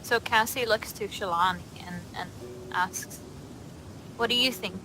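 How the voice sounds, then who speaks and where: A woman's voice: mid-range voice, measured pace, over music, rough recording. A woman playing a tabletop roleplay, improvising dialogue with firm, suspicious questioning.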